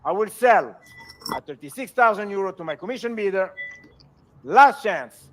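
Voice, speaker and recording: A man working as an auctioneer, calling bids in a repetitive, measured way and formally presenting each lot. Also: sits high, expressive. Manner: auctioneer delivery, repetitive, measured bid calls.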